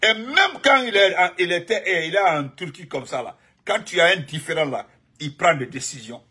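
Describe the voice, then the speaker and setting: A man's voice: high-pitched, animated, normal speed, sharp tone, breathy edge. A man doing rambling live political commentary. He talks emphatically, repeats himself, and breaks off to greet viewers by name. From Guinea. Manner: emphatic, repetitive, jumps between topics and greetings.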